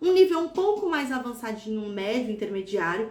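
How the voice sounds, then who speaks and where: Her intonation is lively. The woman's pitch is fairly high. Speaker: school psychologist and educator. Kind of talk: live Q&A stream. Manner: conversational.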